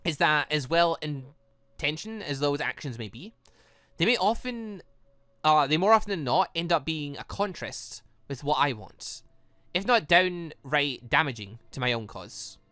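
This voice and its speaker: A gaming host voicing a stern male headmaster in a formal, measured, pointed way. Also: medium pitch, expressive, bright, forceful tone, dry recording, clean studio sound. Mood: measured, regretful.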